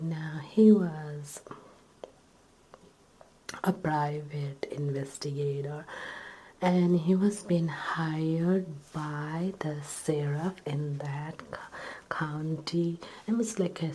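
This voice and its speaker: A woman telling a story in ASMR style, in a breathy whisper, halting between short phrases. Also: sits low, mellow.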